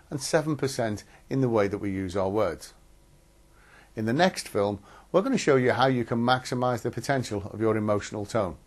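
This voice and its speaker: Male presenter for instructional film, mid-pitched voice, articulate and measured scripted delivery.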